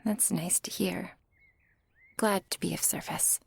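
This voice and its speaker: A woman's voice: fairly low pitch, steady tone, a little slow, no room sound. A woman playing a friendly flower shopkeeper in a whispered ASMR roleplay. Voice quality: soft breathy whisper. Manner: friendly, softly welcoming.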